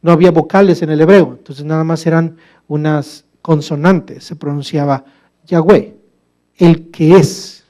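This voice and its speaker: A man preaching a sermon in a church, asking the congregation rhetorical questions and calling them brother, moving between emphatic loud passages and quiet low asides. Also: steady tone, unhurried.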